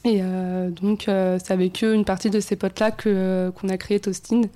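Female DJ guest in her 20s, from Lyon, flat mellow voice, hesitant. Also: mid-range voice, normal speed. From France (Lyon). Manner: hesitant, many fillers. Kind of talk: casual interview talk.

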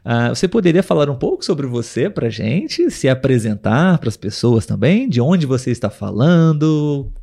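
A man hosting a live podcast, talking patiently and clearly with listeners over a video call. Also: medium pitch, very animated, dark tone. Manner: patient, clear, slowed for learners. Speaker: podcast host.

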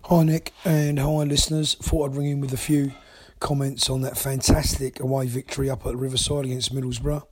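A man enthusiastically leaving a voice message as a caller to a fan show, pausing with frequent ums. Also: medium pitch, little pitch movement, background noise. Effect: recorded voice message. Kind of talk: casual fan phone-in.

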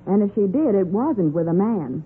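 A faintly noisy, thin 1940s radio recording features a detective's perceptive secretary, acted by a woman. Her pitch moves freely as she chats and observes, loyal to her boss. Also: very animated, moderate pace, phone-quality sound, lightly acted. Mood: observant, curious. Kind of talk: 1940s radio crime drama acting.

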